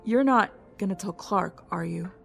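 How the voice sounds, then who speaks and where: A woman's voice: medium pitch, moderate pace, creaky, a bit bright, faint music behind. An actress playing a troubled, loyal woman in an audio drama, emotional and pleading. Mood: troubled, weary.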